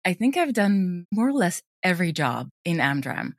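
Female interview guest, low-pitched, enthusiastic and conversational, dry recording. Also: sing-song, moderate pace, dry recording. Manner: chatty, enthusiastic. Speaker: interview guest, drama teacher and audio drama creator. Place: at home, remote interview.

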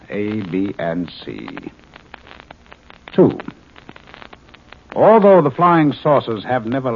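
An actor playing a brisk male research chief in a 1950s radio drama, clipped, official and businesslike. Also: mid-range voice. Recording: muffled, hissy old radio recording.

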